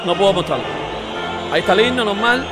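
Man, high voice, heated football reaction, mocking, repetitive. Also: lively intonation, quick pace, over loud music. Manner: heated, mocking, repeats "brother" often. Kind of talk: excited reaction commentary.

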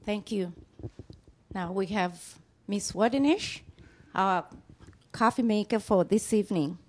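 A woman's voice: mid-range voice, takes it slowly. A middle-aged woman hosting a class panel, welcoming her guests and speaking into a handheld mic in a classroom. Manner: welcoming, upbeat. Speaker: class host. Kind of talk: moderating a panel.

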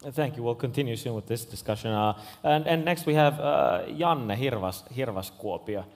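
A man's voice: mid-range voice, lively intonation, normal speed. A young man moderating a stage panel, hesitant and stumbling over his words. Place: large stage hall. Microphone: handheld. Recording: long hall reverb.

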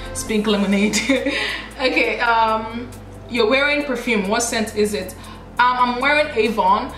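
A woman's voice: mid-range voice, echoey room. A woman in her late twenties, from Nigeria, chatting to her viewers in a casual get-to-know-me vlog, laughing at herself as she answers questions. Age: late 20s. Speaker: YouTuber. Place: small indoor room.

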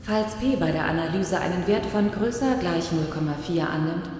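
A woman's voice: on the low side, moderate pace, darkish tone, slight background noise, lightly acted. A woman playing a principled archive machine, the moral authority of its swarm, speaking formally and admonishingly in a science fiction radio play. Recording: heavy echo and reverb, faint music.

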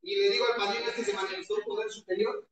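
A man's voice: high-pitched, level tone, fast talker. A man with a Mexican accent giving an impassioned, heavily profane testimony at a support-group meeting, his voice often breaking. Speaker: recovering alcoholic giving testimony. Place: meeting hall with an audience. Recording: echoey hall, mic far off, crowd behind.

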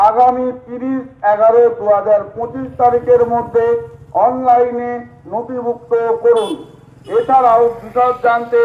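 High flat man over a PA loudspeaker. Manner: formal, steady, repetitive delivery. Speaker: public announcer. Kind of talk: formal public notice announcement. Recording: tinny echoey loudspeaker sound.

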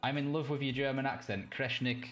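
A young British man casting a live video game match, reacting quickly and cracking jokes between calls. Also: medium pitch, little pitch movement, fairly bright tone, soft background music. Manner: quick reactive play-by-play, jokey asides. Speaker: caster. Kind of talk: live esports play-by-play commentary.

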